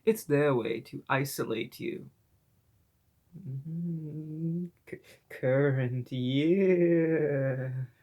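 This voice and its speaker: A man reads a horror story for laughs, dragging every line out slowly in a spooky voice. His tone is a little high for a man and full of gravelly fry, and he keeps stopping to make sarcastic asides to the listener. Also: a little mellow. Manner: sarcastic asides mid-reading; deliberately drawn-out spooky delivery. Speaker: creepypasta reader. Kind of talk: mock-spooky comedic story reading.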